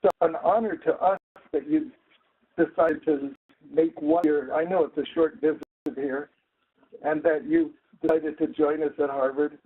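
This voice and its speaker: A man's voice: a little high, fairly even intonation, moderate pace. A man giving a formal, somewhat hesitant welcome as an academic host introducing a guest speaker. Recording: tinny phone-like audio.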